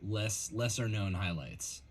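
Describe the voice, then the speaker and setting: A man on a casual live hangout who asks teasing questions and makes deadpan jokes. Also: on the low side, takes it slowly, crowd noise. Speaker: band member on a live hangout. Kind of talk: casual livestream chat.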